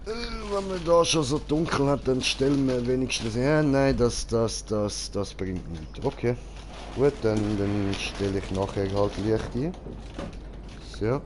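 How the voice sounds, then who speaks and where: A man's voice: medium pitch, unhurried, slight background noise. A man with a Swiss German accent chatting casually as he streams a game, exclaiming and repeating words in bursts. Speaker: streamer playing GTA Online with a friend. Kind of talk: casual live gaming chat.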